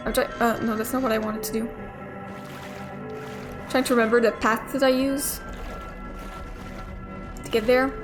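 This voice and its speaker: Playing through a video game, a young woman offers casual commentary, thinking aloud and occasionally swearing. Her high-leaning voice has fairly even intonation and a moderate pace with long pauses. Game music is clearly audible behind her.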